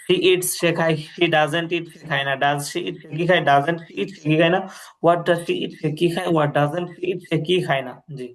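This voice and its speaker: With crowd noise in the background, a man tutors English grammar, reading sentences slowly and then translating them. His voice is on the high side with a steady tone, and he patiently repeats drills and checks that the student understands.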